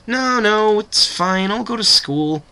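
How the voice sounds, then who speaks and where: A man's voice: high voice, expressive, slow pace, bright, forceful tone, smooth, voice pushed up, heavily acted. A man voicing a sleepless, weary teenage fox in a storybook reading, mumbling his lines. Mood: reassuring.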